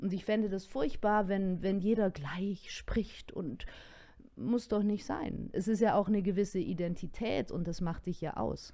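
A woman's voice with vocal fry, medium in pitch, with ordinary pitch variation and a fairly slow pace. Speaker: podcast co-host. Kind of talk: casual chat.

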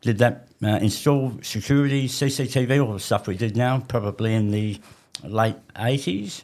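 On a very clean recording with a silent background, a man with an Australian accent talks at a moderate pace in a medium pitch with ordinary pitch variation. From Australia, Newcastle NSW. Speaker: security business owner. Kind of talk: podcast interview.

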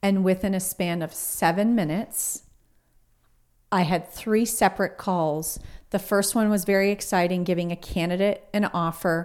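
In a normal speaking voice, a woman talks at a moderate pace with fairly even intonation on a very clean recording with a silent background. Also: medium pitch for a woman. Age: 40s. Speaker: podcast host. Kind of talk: interview conversation.

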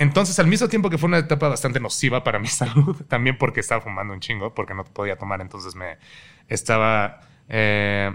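A man with lively intonation, a medium pitch and a fairly quick pace. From Chiapas, Mexico (Tuxtla Gutiérrez). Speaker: YouTuber. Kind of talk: casual chat.

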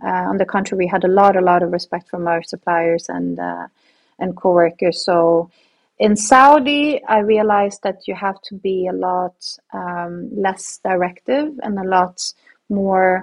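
A Swedish accent with ordinary pitch variation. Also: woman, medium pitch for a woman. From Sweden, partly raised in southern Spain. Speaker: hotel guest experience manager. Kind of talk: interview. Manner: halting, many fillers.

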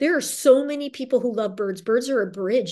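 Talking at a fairly quick pace, a woman speaks in a Californian accent. The background is quiet. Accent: Californian American English. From Southern California, Orange County. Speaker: author and former journalist. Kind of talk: interview.

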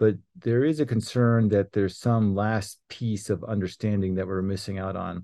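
A man with an American accent and a plain, everyday voice speaks at a moderate pace with a fairly low pitch and fairly even intonation. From US South (Georgia). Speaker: pediatric neurologist and professor. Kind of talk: interview. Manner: casual with fillers.

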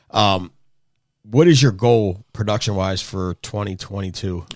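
A man with a plain, everyday voice speaks at a fairly low pitch with ordinary pitch variation on a very clean recording with a silent background. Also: big swings in loudness. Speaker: podcast host. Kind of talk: casual chat. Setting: studio.

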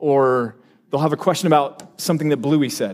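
An ordinary speaking voice at a fairly quick pace. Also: man. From Texas. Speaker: pastor. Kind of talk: sermon. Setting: church.

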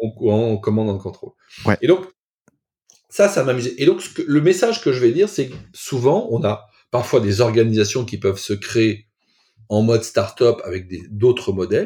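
A man speaks with lively intonation and a somewhat breathy voice. He leaves long, frequent pauses. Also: medium pitch for a man, moderate pace. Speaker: management professor. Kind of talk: interview.

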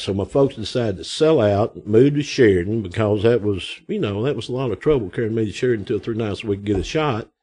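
Over a quiet background, a man with a Southern US accent talks in a dark, mellow tone at a fairly low pitch with ordinary pitch variation. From Arkansas. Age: 60s. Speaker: turkey hunter. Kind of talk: casual storytelling interview.

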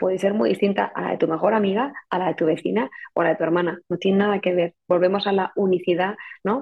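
A woman talks at a very fast pace with a fairly low pitch. Her intonation is fairly even. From Galicia, Spain. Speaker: fashion stylist. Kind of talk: interview.

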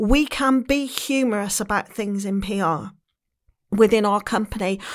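A woman speaks with a British accent at a fairly slow pace, with ordinary pitch variation. The recording is very clean, with a silent background. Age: 50s. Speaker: PR consultant and podcast host. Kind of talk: solo podcast monologue.

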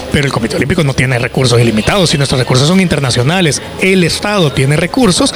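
A man talks very fast with lively intonation while music plays in the background. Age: 30s. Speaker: sports official. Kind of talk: radio interview; casual chat. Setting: live broadcast from a restaurant.

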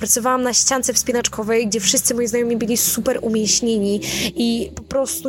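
Against noticeable background noise, a woman with a fairly high voice talks at a fairly quick pace with ordinary pitch variation. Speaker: podcaster. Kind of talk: personal monologue.

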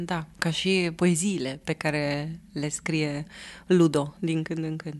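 A woman's very deep, low voice, flat and monotone, at a very slow pace against a quiet background. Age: 40s. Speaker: literary translator, podcast co-host. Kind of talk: casual chat.

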